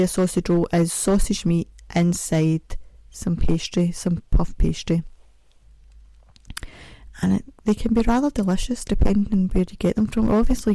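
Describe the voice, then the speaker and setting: This podcast host, a woman with a deep, warm voice, rambles chattily from home while nursing a sore mouth after dental work, so she speaks with care. She pokes fun at herself and breaks into snatches of song, and the audio-only recording is dry and low in quality.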